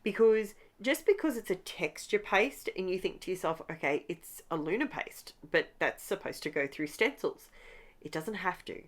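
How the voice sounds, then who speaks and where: A woman's voice: on the low side, animated, normal speed. A middle-aged Australian woman with a congested nose, chatting enthusiastically through a scrapbooking tutorial as she works. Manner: chatty, enthusiastic, talks while crafting. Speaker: scrapbooking channel host. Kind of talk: casual craft tutorial chat.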